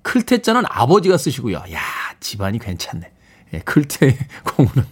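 Man morning radio DJ from Seoul, playful, pitch rising and falling freely, studio mic. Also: normal speed, husky. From Seoul, South Korea. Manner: lively, playful, chuckles between messages. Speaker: radio show host. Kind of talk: morning radio show, reading listener texts.

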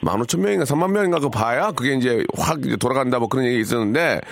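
Lively chatty male radio host. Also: mid-range voice, racing, creaky, dry recording. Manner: chatty, animated, reading listener texts aloud. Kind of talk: live radio call-in chat. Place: radio studio.

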